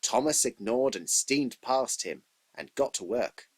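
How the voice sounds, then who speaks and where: A man's voice: mid-range voice, expressive, measured pace, breathy edge. A man reading scripted narration for a children's train story as its storyteller.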